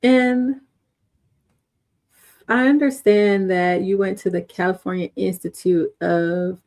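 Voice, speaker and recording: A woman's voice: medium pitch, steady tone, a little mellow. A woman interviewing a guest, speaking in a thoughtful, affirming way. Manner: slow, affirming, thoughtful questions. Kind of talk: conversational interview.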